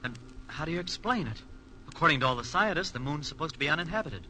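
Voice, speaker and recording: An actor playing a curious, eager rocket engineer in old radio drama style. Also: male voice, on the high side, animated, quick pace, bright, forceful tone, rough recording. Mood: wondering. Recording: old radio recording with faint noise.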